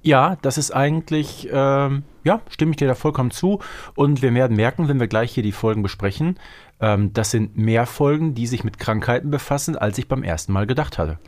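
A man's voice: mid-range voice, brisk, darkish tone. A man chatting casually as a podcast co-host.

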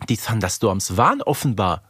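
Animated man chatting on a podcast. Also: on the low side, normal speed, breathy edge, dry recording, studio quality. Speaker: podcast co-host. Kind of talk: casual chat, humorous episode commentary.

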